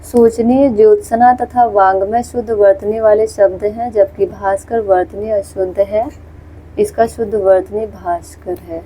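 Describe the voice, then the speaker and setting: A woman from India teaches a Hindi spelling lesson, working through one exam question after another. She explains patiently, repeats each word, and keeps pointing students to what is on the screen. Her voice is mellow and dark with a faint huskiness. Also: mid-range voice, fairly even intonation, a little slow, breathy edge, poor audio.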